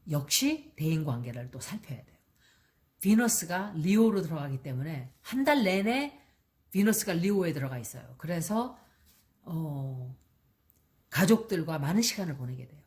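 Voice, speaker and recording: A woman's voice: sits low, darkish tone. A woman astrologer giving casual spoken horoscope advice, chatty and repetitive, mixing in English terms and acting out short example dialogues. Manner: mixes English terms into her talk. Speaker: astrologer and tarot reader.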